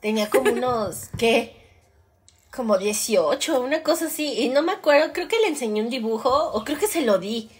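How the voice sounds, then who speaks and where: Woman, Mexican accent, podcast guest, slangy, playful, husky. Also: fairly high pitch, animated, moderate pace. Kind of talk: casual chat.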